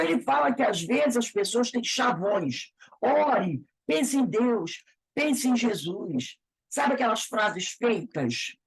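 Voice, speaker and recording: Husky, lively Brazilian woman teaching. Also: medium pitch, low-quality recording. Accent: Brazilian Portuguese. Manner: lively, acts out quoted remarks. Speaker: study group teacher. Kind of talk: spiritist study class, reading and explaining a book.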